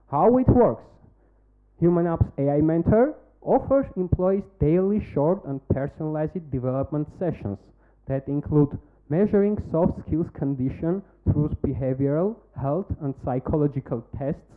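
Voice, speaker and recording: A man speaks with an Armenian accent. His pace is moderate. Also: fairly high pitch for a man, lively intonation. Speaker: startup founder. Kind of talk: sales pitch; Q&A. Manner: halting.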